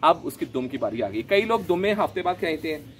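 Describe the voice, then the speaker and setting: A man, gently explaining his pigeon keeping in a casual vlog, a little hoarse from a sore throat. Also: on the high side, very animated, brisk, slight background noise. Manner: chatty, gentle, explains while handling birds. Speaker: pigeon keeper vlogger. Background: pigeons cooing.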